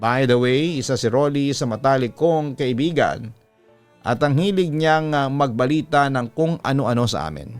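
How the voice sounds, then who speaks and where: A man's voice: medium pitch, expressive, normal speed. A man with a Filipino accent narrating a scripted first-person horror story, reading out a letter as the storytelling host. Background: background music.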